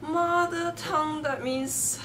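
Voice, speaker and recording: Slow, halting Hong Kong woman. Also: high voice, steady tone, background noise. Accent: Hong Kong English. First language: Cantonese. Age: 20s. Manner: halting, frequent self-corrections and fillers. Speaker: interviewee reading a passage. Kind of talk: read-aloud passage, then casual interview.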